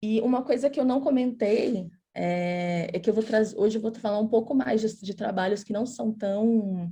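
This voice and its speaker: Hardly pausing, a woman with a fairly high pitch speaks at a moderate pace in a dark, mellow, somewhat breathy tone with ordinary pitch variation. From Brazil, São Paulo. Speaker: illustrator and visual artist. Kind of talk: presentation of own work. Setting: video call. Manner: halting, many fillers and restarts.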